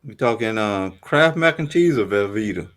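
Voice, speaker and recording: A man's voice: fairly low pitch, lively intonation, moderate pace. A man co-hosting a podcast in casual group chat, prodding the others with short playful questions. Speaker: podcast co-host.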